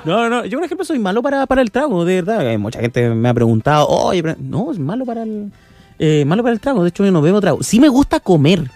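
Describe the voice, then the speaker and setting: A man's voice: high-pitched, sing-song, fast. A Chilean man hosting a radio show, chatting casually with callers, joking and laughing. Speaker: radio host. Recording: loud music bed behind.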